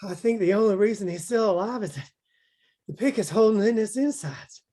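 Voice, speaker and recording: A man's voice: high-pitched, animated, a little fast, warm tone. A man playing a grim, shaken henchman giving urgent reports in a screenplay table read. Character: grim, shaken male henchman reporting bloodshed to his boss.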